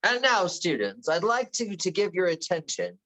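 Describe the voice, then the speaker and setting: A man playing a formal, stern school official addressing students in a screenplay table read, with a measured announcing manner. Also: high voice, sing-song, sharp tone, heavily acted, poor audio.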